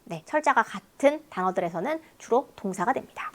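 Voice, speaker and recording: A woman English teacher talks through a lecture, explaining word after word in a chatty way. Her voice sits fairly high and swings widely in pitch. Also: fairly quick. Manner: explains word pairs in a lively, talkative way.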